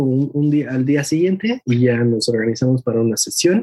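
A man with a Mexican accent at medium pitch, his pitch varying in an ordinary way. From Mexico. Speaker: doctor. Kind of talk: interview.

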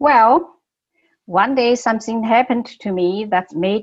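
A fairly high-pitched woman with a Chinese accent, ordinary pitch variation and a fairly slow pace. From China, Beijing. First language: Mandarin Chinese. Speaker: business lecturer and intercultural consultant. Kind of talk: interview.

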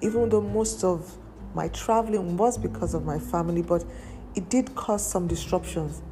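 A woman talks at a moderate pace, with audible room echo around her. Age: 40s. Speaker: podcast host and fashion entrepreneur. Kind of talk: solo podcast monologue.

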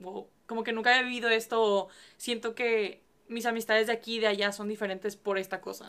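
Fairly quick, monotone, flat speech from a woman with a fairly high pitch. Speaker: student podcast host. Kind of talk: casual chat.

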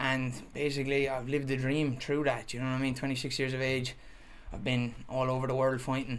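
A man with a Waterford Irish accent, monotone and flat in intonation, with audible room echo. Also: medium pitch for a man, fairly quick pace. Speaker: professional boxer. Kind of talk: casual chat.

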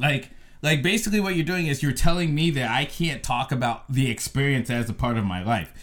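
Fairly quick and lively in intonation, a man with a fairly high pitch, vocal fry and an American accent is talking. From US South, Mobile, Alabama. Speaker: stand-up comedian. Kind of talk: stand-up style bit riffing on race and viral videos. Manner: wry, punchline-driven delivery with comic pauses.

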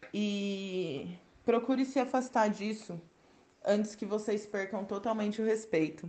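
At a fairly slow pace, a woman with a normal speaking voice talks at a fairly high pitch with ordinary pitch variation. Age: 20s. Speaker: survivor of abusive relationship. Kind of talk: testimony. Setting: recorded voice messages.

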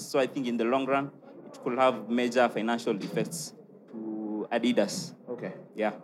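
A man at a medium pitch, with music in the background. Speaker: audience member. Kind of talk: audience question. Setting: stage with audience.

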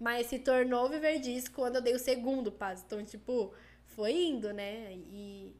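Speaking at a fairly slow pace, a woman uses a high pitch with ordinary pitch variation and big swings in loudness. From São Paulo, Brazil (city centre). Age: 20s. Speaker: DJ. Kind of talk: casual chat.

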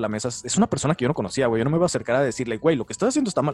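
A man speaks with a Mexican accent, with music playing in the background. The sound is dry and close, with no echo. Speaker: podcast co-host. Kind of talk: casual chat.

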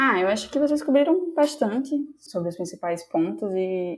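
Woman with a normal speaking voice, lively intonation and moderate pace, on a very clean recording with a silent background. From Maceió, Alagoas, Brazil. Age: 20s. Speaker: PhD student in computer science. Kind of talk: interview.

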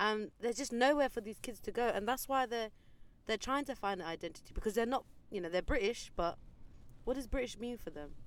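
A woman with a fairly high pitch talks fairly quickly, her pitch varying in an ordinary way. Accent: London. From London, Camden. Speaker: podcast guest. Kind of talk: casual chat. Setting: home studio.

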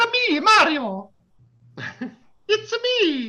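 A put-on character voice at an extremely high pitch delivers its lines at a fairly slow pace.

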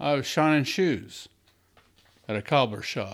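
A man speaks with a Midwestern American accent. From US Midwest. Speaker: retired delivery driver. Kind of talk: casual interview. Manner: halting.

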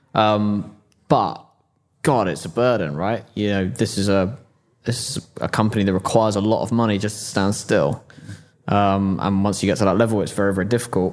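Recorded very cleanly against a silent background, a man with an unremarkable speaking voice speaks at a moderate pace and fairly low pitch with ordinary pitch variation. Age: 20s. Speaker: marketing agency founder. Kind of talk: interview.

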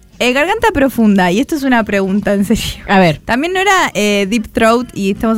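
This woman's fairly high voice moves at a fairly quick pace, with noticeable background noise behind it. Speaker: radio host. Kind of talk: casual chat. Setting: studio.

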